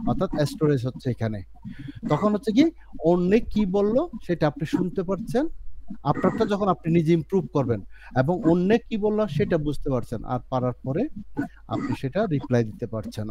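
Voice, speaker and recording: A man's voice: on the high side, a little mellow, slight background noise. A man teaching an English course on a video call, explaining earnestly and repeating himself, with frequent restarts. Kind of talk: online class lecture.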